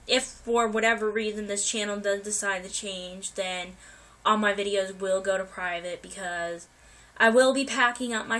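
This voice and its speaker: Bright-voiced young woman with a cold. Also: mid-range voice. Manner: rambling, many ums and restarts. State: getting over a cold, coughing. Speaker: vlogger. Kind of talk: casual life update to viewers.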